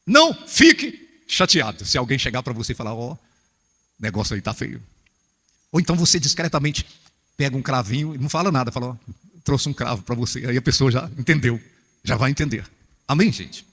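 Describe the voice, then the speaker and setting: A Brazilian man preaching a humorous, animated sermon to church workers, acting out little scenes as he goes. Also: mid-range voice, brisk, pauses often, long reverb tail. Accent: Brazilian Portuguese.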